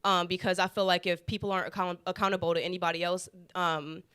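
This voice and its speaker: A woman in her late twenties, a podcast guest, calmly explaining her views at length in casual chat. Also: fairly low pitch, fast talker, clear, resonant tone. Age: 20s.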